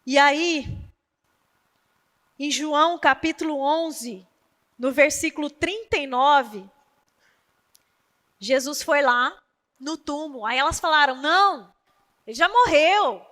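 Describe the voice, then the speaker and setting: A woman's voice: sits high, takes it slowly, pauses often, bright, forceful tone, long reverb tail. A woman preaching a sermon at a women's meeting in a church. She tells the story animatedly and acts out the quoted voices. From Brazil. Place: church hall.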